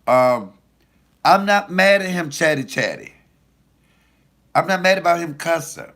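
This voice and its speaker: A middle-aged man with a deep voice, a comedian chatting casually and profanely with viewers on a livestream. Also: measured pace. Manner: animated, loose and profane storytelling.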